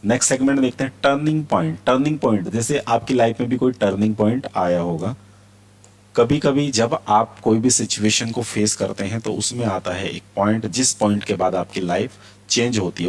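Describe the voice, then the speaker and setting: A man teaching a spoken English lesson, explaining phrases slowly, repeating example sentences and quizzing his learners. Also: lowish voice, darkish tone.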